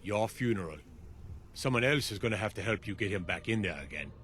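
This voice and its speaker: Grumbling, skeptical guard, faint noise. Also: male voice, on the low side, animated, brisk, a bit bright. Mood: doubtful, grumbling. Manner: blunt, casual and doubtful. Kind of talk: fantasy video game acting.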